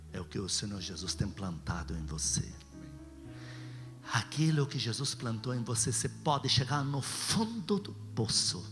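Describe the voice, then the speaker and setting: A man with a Brazilian accent preaching emphatically to a congregation as a pastor, exhorting and posing rhetorical questions. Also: fairly low pitch. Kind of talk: sermon with call and response. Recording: long hall reverb, music behind.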